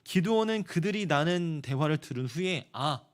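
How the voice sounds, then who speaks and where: A young man preaches to a high school congregation with a voice pitched a little high. He tells the story in a lively way, putting on the soldiers' voices as he goes. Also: normal speed. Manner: storytelling, acts out soldiers' talk. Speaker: youth pastor. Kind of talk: sermon to high school students.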